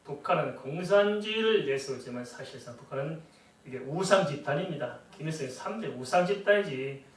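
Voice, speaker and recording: Korean pastor preaching in an echoey hall. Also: male voice, a little high, lively intonation, brisk. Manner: conversational preaching with rhetorical questions and asides. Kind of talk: sermon. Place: church sanctuary. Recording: echoey church hall, voice from a distance.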